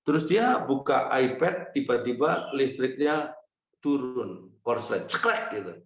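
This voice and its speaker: Older pastor with a gravelly voice. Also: male voice, mid-range voice, a little slow. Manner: animated storytelling with quoted dialogue and chuckles. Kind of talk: sermon. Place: church or online service hall. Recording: echoey room.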